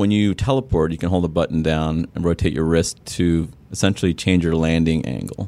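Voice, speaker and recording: Speaking at a fairly quick pace with hardly any pauses, a man with a very deep, low voice and a dark, mellow tone shows ordinary pitch variation. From Sri Lanka. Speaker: video game developer. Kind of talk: interview.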